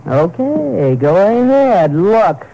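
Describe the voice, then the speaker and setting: A woman's voice: mid-range voice, big pitch swings, drawn-out words, mellow, dull audio, heavily acted. An actress playing a sullen young woman crook with a curt, slangy American delivery in a 1950s radio crime drama. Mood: sullen, snappish. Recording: noisy old radio recording.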